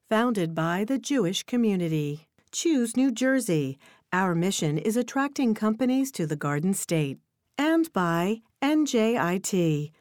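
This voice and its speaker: A woman announcer reading scripted funding credits in an even, formal tone. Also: mid-range voice, no room sound, clean studio sound.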